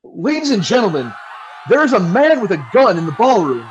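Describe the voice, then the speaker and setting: A man's voice: sits high, sing-song, a little fast, lo-fi sound, slight background noise. A man playing a flustered, melodramatic 1960s New York radio host with theatrical announcer delivery in an audio drama. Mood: excited, alarmed.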